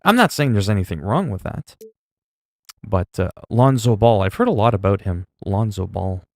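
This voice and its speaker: Man, low gravelly voice, dry close sound, rambling gameplay chat. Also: animated, normal speed, dry recording. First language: French. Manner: rambling, self-talk with laughs and asides. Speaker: gaming streamer.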